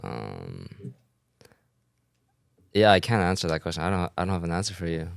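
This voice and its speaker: A twenty-three-year-old man speaks as a podcast guest with a low, smooth, resonant voice. He answers softly and uncertainly, and the sound is close and dry. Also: very animated, normal speed, dry recording. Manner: soft-spoken, unsure. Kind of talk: casual podcast chat.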